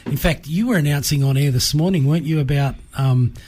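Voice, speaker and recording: A man's voice: fairly high pitch, a little fast, darkish tone, a little hiss or hum. A man hosting a casual radio interview in a studio, joking and chatty, laughing often. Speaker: radio program host. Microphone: studio microphone.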